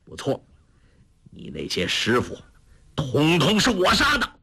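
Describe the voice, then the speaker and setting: A man's voice: fairly low pitch, big pitch swings, a little slow, pushed and bright, breathy edge, full character voice. A man voicing a proud, eccentric older male martial master in a storybook, haughty and given to mocking laughter. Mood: scornful.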